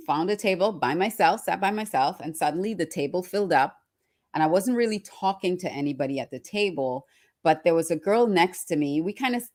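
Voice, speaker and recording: A woman from Trinidad and Australia giving a motivational talk as personal storytelling, emphatic and repeating phrases for effect. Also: on the low side. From born in Trinidad, raised in Australia from early childhood. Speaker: personal branding speaker.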